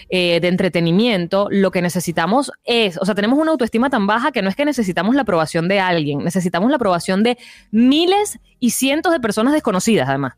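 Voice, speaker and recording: A woman speaking fast and frankly in a casual podcast chat. She tells stories with lively acted-out quotes, and her voice sounds close and dry. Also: mid-range voice, no room sound. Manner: frank, animated storyteller who acts out quotes.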